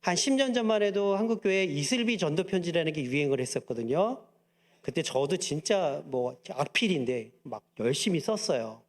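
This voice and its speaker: Male pastor, high-pitched, lively sermon delivery with questions to the congregation. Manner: lively, asks the congregation questions and acts out quotes.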